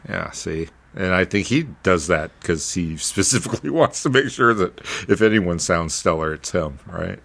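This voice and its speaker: Deep-voiced, halting man. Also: lively intonation, vocal fry, fairly bright tone. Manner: halting, stammering, repeats words while searching. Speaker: podcast host. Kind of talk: casual podcast conversation.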